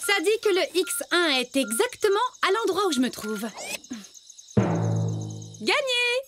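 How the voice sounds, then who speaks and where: Cartoon scientist, female, exasperated, haughty, very high pitch, animated delivery, theatrical grumbling. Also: a little slow, over music, full character voice. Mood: irritated, complaining. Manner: indignant, theatrical complaining. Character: exasperated, haughty woman scientist explorer in the jungle. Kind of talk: animated series voice acting.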